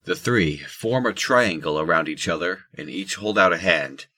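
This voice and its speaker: A man's voice: low voice, normal speed, bright, forceful tone. A man narrating a scripted audio drama.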